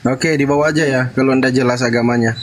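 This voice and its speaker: A man's voice: mid-range voice, fairly even intonation, quick pace. A man moderating an online religious debate, greeting speakers politely and handing over the floor. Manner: polite, greets guests by name.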